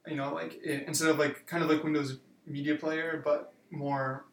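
Gravelly young man, casual and halting. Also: on the high side, echoey room, a little hiss or hum. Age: 20s. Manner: relaxed, many "like" and "um" fillers. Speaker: student guest. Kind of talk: casual interview answers.

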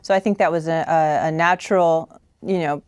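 A woman's voice: deep voice, steady tone, moderate pace, darkish tone, clear, resonant tone, no echo. A woman born in Austria, a novelist guest, answering interview questions thoughtfully with many fillers and restarts. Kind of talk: conversational interview.

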